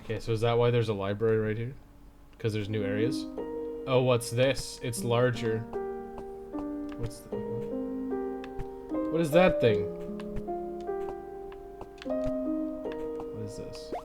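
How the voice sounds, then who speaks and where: A man's voice: mid-range voice, fairly even intonation, slow, long pauses. A man doing casual live game commentary as a streamer, chatting with viewers in an offhand, rambling way as he thinks aloud. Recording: loud guitar game music behind voice. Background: loud game music with plucked guitar.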